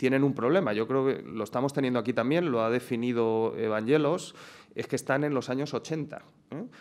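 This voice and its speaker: With ordinary pitch variation, a man's voice holds at a medium pitch. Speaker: economist; panelist. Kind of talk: panel debate. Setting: stage with audience. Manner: casual, frequent tag questions. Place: hall. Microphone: podium.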